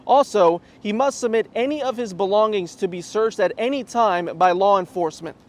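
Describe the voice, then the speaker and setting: A man's voice: high voice, normal speed. A man reporting the news as a television reporter, reading a scripted report.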